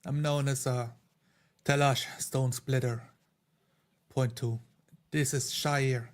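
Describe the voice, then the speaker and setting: A man voicing a reserved, plain-spoken adventurer in a tabletop game, talking in halting phrases. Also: medium pitch, little pitch movement, pitched above the performer's own voice, lightly acted.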